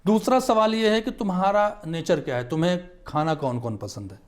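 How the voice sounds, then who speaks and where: Here a male religious scholar, a guest on a studio talk show, lays out his argument in an earnest, emphatic way. His pitch is a touch above that of most men.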